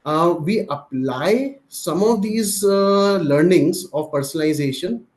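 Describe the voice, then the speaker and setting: Higher-pitched Indian man presenting business results. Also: slow. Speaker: company executive presenting. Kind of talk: business presentation on earnings call.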